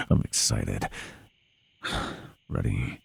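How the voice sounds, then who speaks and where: A man voicing an ancient, sadistic monster under the bed in a horror ASMR roleplay, gravelly and often whispering, with a slow, taunting, teasing manner. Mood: hungry, excited. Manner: slow, taunting, teasing, savoring each word. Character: centuries-old monster under the bed, sadistic, playful, menacing.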